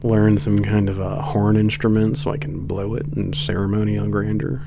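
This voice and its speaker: Low gravelly man voicing a friendly werewolf coworker. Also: normal speed. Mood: playful, fond. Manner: hesitant, rambling, casual joking. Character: friendly, teasing male werewolf coworker on a spaceport. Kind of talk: ASMR roleplay, casual one-sided conversation. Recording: loud steady background hum.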